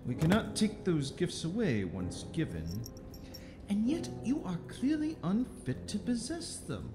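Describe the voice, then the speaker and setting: Theatrical stern magistrate, wildly swooping pitch. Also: male voice, huge pitch swings, measured pace, over music, full character voice. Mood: stern, accusing. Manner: formal, theatrical, grave. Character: stern, condescending magical authority passing judgement. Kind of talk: audio drama acting.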